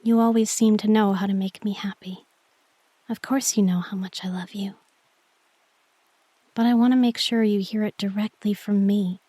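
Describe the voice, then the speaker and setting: Soft, close-up shy girlfriend played by a woman. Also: medium pitch, no echo. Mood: soft, affectionate. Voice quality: soft, breathy, often dropping into whisper. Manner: gentle, hesitant, intimate address to one listener. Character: shy, tender young girlfriend confessing her love. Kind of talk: romantic sleep-aid audio roleplay, intimate ASMR.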